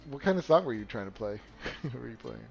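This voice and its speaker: A man's voice: mid-range voice, lively intonation, fast talker, gravelly, dull audio, soft background music. A man narrating a tabletop game as game master, casual and rambling, often breaking into laughter.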